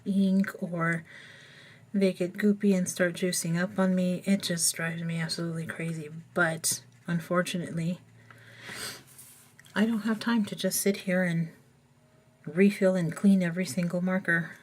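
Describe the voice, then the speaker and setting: A woman's voice: on the low side, flat delivery, measured pace. A woman with a slightly froggy voice, chatting casually and thinking aloud as she demonstrates a coloring technique in a voice-over. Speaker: coloring tutorial host.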